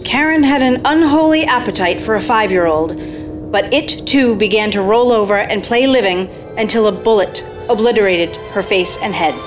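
Mid-pitched woman narrating over music. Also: normal speed. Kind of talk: scripted radio play narration. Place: stage. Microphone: stand microphone.

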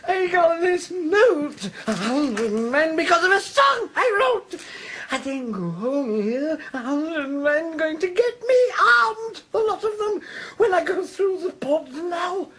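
A woman's voice: very high-pitched, big pitch swings, slow, fairly bright tone, exaggerated voice. A woman acting a frightened, pleading songwriter in a radio drama, in an agitated manner. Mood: panicked.

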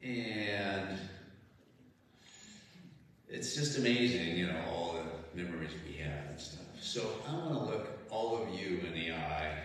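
A middle-aged man reminiscing to his congregation in a halting, folksy way with chuckles, speaking at a stand mic in a chapel. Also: low-pitched, lively intonation, fairly bright tone, a little hiss or hum. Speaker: longtime congregation member. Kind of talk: reminiscing testimony. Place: large chapel with hard walls. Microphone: stand mic, heard from a distant camera. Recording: echoey chapel, voice far from mic.

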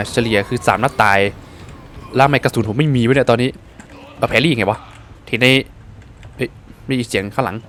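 Excitable man commenting on a game. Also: medium pitch, a little hiss or hum. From Thailand. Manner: excitable, exclaims and swears at the game. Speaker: gaming streamer. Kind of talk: casual let's-play commentary.

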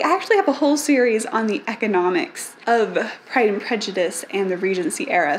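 A woman's voice: on the high side, a little hiss or hum, low-quality recording. A young woman, presenting a chatty scripted explainer as a video host at home. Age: young adult. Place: living room at home.

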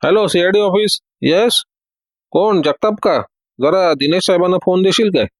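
A man's voice: high voice, normal speed, dry recording, pitched above the performer's own voice, lightly acted. A man voicing a confident, witty male detective who teases everyone in a breezy way. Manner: teasing, breezy.

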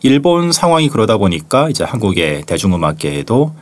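A man in his forties with a low voice and a lively pitch sways as he lays out dates and definitions. He talks in orderly, fluent sentences, like reading from a reference book, into a close studio mic. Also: fairly quick. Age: 40s. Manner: fluent, orderly explanations without notes. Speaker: music historian guest. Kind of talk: studio interview. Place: small studio. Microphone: studio mic on arm, close.

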